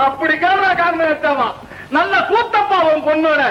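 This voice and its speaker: An actor playing a boisterous, bossy older village landlord in an old film, talking in a loud, teasing, commanding way. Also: male voice, very high voice, a little slow, a little hiss or hum. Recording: dull old film soundtrack with music.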